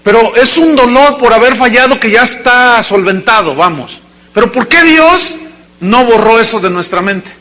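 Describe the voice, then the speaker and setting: A male pastor delivering a sermon to a congregation, with dramatic acted quotes and sudden shouts. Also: very high-pitched, lively intonation, normal speed. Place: church service before a congregation.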